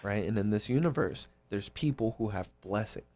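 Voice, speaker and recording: Excited man retelling a story. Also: fairly low pitch, normal speed. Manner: excited retelling, filler-heavy. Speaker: podcast co-host. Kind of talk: casual chat.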